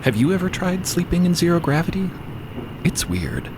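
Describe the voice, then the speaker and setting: A man's voice: sits high, big pitch swings, moderate pace, noisy background. A man narrating a scripted story with wry, conversational asides. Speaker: podcast narrator.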